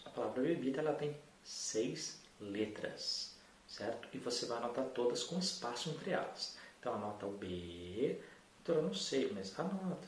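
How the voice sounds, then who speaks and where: A man teaching an adult literacy lesson, patient and encouraging, talking straight to the learner. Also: medium pitch. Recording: echoey room, distant mic, faint hiss.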